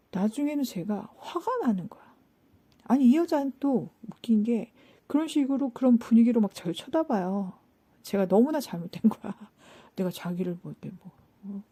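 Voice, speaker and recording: A woman hosting a spiritual talk, telling an anecdote in a casual, animated way, acting out quoted lines and asking the listeners rhetorical questions. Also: medium pitch, husky. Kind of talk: casual storytelling lecture.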